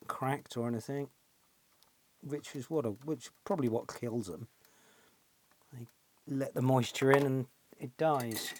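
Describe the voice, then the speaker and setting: A middle-aged British man with a mid-pitched voice talks through hands-on repair work in a casual way. He muses to himself as he goes, often turning remarks into little questions. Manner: musing, thinking aloud with tag questions. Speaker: repair channel host, electronics technician. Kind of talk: casual hands-on workbench commentary. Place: small cluttered indoor electronics workshop.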